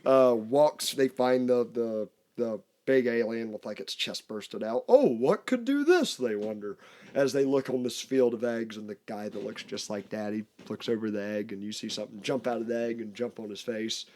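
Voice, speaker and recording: A man's voice: fairly low pitch, level tone, darkish tone. A man in his thirties, hosting a podcast in a loose, rambling way. He pokes fun at himself and laughs easily between his tangents. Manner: rambling storyteller, self-mocking, quick to laugh. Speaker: podcast host. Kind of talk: casual chat.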